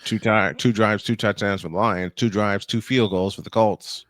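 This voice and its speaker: A young man calling football plays in a steady play-by-play commentary style. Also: on the low side, normal speed, dry recording, studio quality. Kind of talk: live sports commentary.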